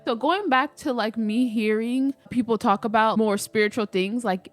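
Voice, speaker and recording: A woman's voice: fairly high pitch, moderate pace, faint music behind. A woman vlogging casually while doing her hair, a little stuffy and nasal from a cold, rambling with lots of fillers and restarts. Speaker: spiritual vlogger. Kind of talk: casual chat to camera.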